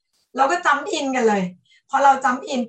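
A chatty homeschooling mother explains things at length, ending her phrases with polite particles. Her voice sits a little high. She is picked up from some distance in a roomy space. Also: quick pace. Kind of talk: casual interview talk. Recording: roomy sound from a distant mic.

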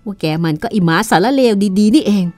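A woman's voice: mid-range voice, expressive, a little fast, no room sound, soft background music, pitched above the performer's own voice, close to an everyday voice. A woman voicing an angry, protective older brother who speaks sternly, in a read-aloud horror novel. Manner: stern, forceful.

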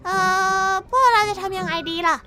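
A woman voicing an excitable young male friend who is easily baffled, in a children's radio drama. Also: extremely high pitch, fairly quick, very noisy. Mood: confused. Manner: exclamatory, lively rustic speech. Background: background music.

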